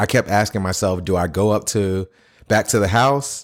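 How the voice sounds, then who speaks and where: A man talks in an ordinary speaking voice, fairly low in pitch, with ordinary pitch variation. His fairly quick pace comes through in a very clean recording with a silent background. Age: 30s. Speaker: podcast host. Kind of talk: personal storytelling.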